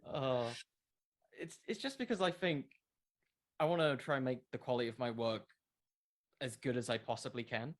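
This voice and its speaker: Casual interview guest: young adult male, middle pitch, earnest, rambling explainer. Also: moderate pace, long pauses. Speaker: interview guest, wrestling content creator.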